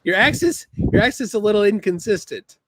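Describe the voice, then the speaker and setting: A man hosting a casual livestream, reading chat aloud in a halting, laid-back way, speaking outdoors by the water. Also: high-pitched, lively intonation, heavy background noise. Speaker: livestream host.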